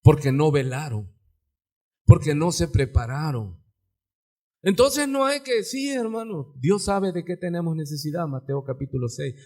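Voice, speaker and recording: A Mexican man preaching a live sermon as pastor in his church, swinging from sudden shouts to quiet asides. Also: a little high. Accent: Mexican Spanish. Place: church sanctuary.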